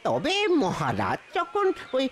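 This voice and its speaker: A woman's voice: fairly low pitch, huge pitch swings, slow pace, slight background noise, heavily acted. A woman playing a chatty, complaining villager in a cartoon. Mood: wary. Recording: cartoon voice with music behind.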